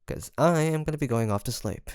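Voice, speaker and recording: A man playing a guarded young demon hunter in an intimate audio roleplay, hesitant and confiding, with a softer side showing through. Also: a little high, fairly quick, slight background noise, lightly acted. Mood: flustered, curt.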